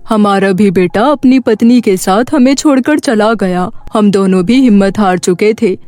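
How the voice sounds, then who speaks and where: Woman doing a sweet old grandpa type for a cartoon story, fatherly, soft mellow tone, faint music. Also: medium pitch, dry recording, pitched below the performer's own voice, lightly acted. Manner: gentle, consoling. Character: kindly old male burger seller, fatherly and gentle. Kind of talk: cartoon moral-story acting.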